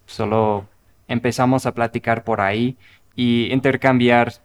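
This guest is a middle-aged native English speaker from Minnesota, United States, chatting casually in Spanish as a learner with an American English accent. At a medium pitch, he takes his time and thinks things through, occasionally restarting words.

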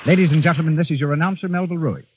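A man announcing on an old radio show, reading program credits in a brisk, formal broadcast manner. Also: fairly high pitch, some chatter behind, slight background noise. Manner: brisk, crisp read credits. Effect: old radio show broadcast sound. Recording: dull lo-fi old radio recording.

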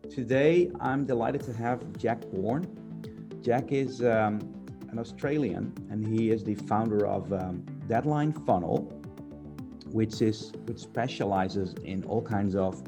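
A man hosting a podcast, giving a measured, scripted welcome and introducing his guest. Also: fairly low pitch. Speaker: podcast host. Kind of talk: formal show introduction.

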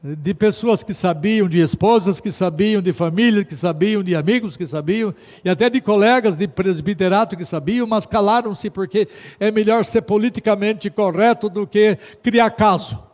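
A middle-aged man with a Brazilian Portuguese accent preaching a sermon as a pastor, emphatic and exhorting, swinging between loud stresses and quiet asides. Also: sits high, normal speed. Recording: long hall reverb.

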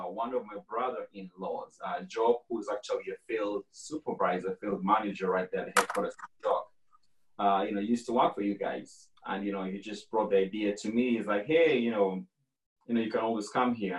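A man in his forties, originally from Kenya, telling his story as a guest in a relaxed, rambling podcast conversation. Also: lowish voice, echoey room, distant mic, poor audio. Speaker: franchise owner guest.

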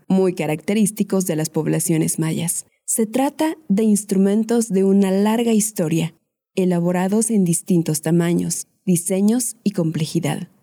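A woman, narrating a documentary podcast as its host in a calm, measured way. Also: lowish voice.

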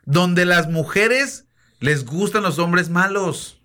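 A man's voice: sits high, slow, bright, forceful tone. A man co-hosting a casual chat show, emphatic and insistent, repeating his points. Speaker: podcast co-host.

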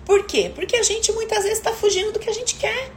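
A woman's voice: extremely high pitch, steady tone, a little fast, slight background noise. A woman coach giving a motivational live talk, emphatic and questioning her listeners directly.

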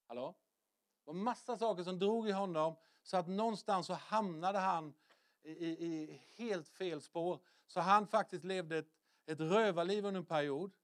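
A middle-aged man preaching a sermon in a conversational way, with many restarts, sometimes dropping to a soft, hushed voice for emphasis. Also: fairly high pitch. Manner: conversational, repetitive restarts, drops to soft near-whisper for emphasis. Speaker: pastor.

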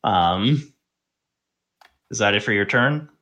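Male game master for tabletop play: slow, halting delivery with a bright, forward edge. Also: on the low side, expressive. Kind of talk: improvised tabletop game narration.

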